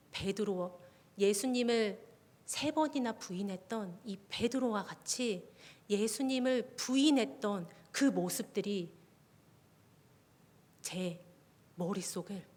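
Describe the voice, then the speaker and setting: A woman, a junior pastor, giving a testimony sermon at a midweek prayer service, often dropping her voice to a soft whisper. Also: medium pitch. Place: church sanctuary. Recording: long reverb of a church hall.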